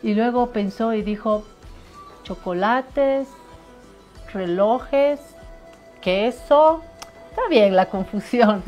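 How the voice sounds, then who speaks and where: A woman hosting a studio interview show, chatty and animated. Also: on the high side, slow pace, long pauses, dull audio, faint music behind. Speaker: talk show host.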